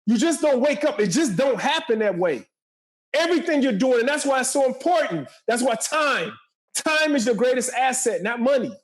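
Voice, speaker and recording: A man's voice: extremely high pitch, lively intonation, normal speed, poor audio. A man in his forties giving a motivational talk as a podcast guest, emphatic and preacherly, repeating phrases for effect.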